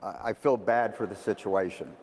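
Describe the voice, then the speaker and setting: Low-voiced male mayor with reverb. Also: moderate pace, a little mellow. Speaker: town mayor. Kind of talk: news interview.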